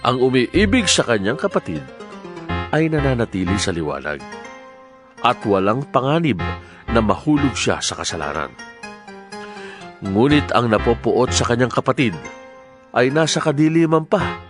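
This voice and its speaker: A man with a Filipino accent giving a solemn, measured, declamatory dramatized reading of scripture as a Bible narrator. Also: mid-range voice, sing-song. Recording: music bed under the voice. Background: background music.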